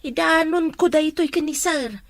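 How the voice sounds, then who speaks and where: A woman's voice: high-pitched, measured pace, no echo. A woman with a Filipino Ilocano accent acting a concerned older household helper in an audio drama. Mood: indignant.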